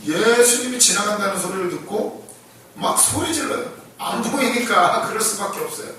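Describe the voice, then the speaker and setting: A man gives a lively, conversational sermon, acting out the shouting in the story he tells and often breaking into laughter. His voice sits high and bright for a man. He is recorded from a distance in a very echoey church, with faint room ambience behind him. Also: moderate pace, slight background noise. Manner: animated, acts out the blind men's shouting, laughs often. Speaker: preacher. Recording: echoey room, voice from far off the mic.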